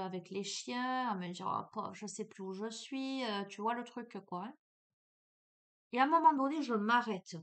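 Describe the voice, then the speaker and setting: A middle-aged woman hosting a spiritual guidance channel, telling a personal story in a chatty, animated way with many fillers, speaking straight to the listener. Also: mid-range voice.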